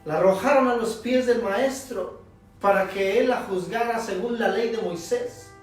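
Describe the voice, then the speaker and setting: A man preaching a sermon as pastor, emphatic and leaning on long pauses. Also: high voice. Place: church sanctuary. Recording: echoey church, distant mic, soft instrumental music.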